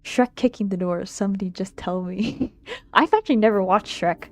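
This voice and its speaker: A woman's voice: medium pitch, normal speed. A woman streamer with a playful manner, giving casual commentary and reading game text aloud as she plays. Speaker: streamer playing and reading aloud a visual novel. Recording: music behind the voice. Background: game music.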